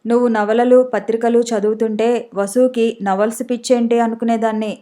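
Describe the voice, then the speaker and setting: A woman's voice: on the high side, level tone, a little fast, dark tone, natural voice. Visalakshi, a kind older aunt, read by a woman. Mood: reassuring.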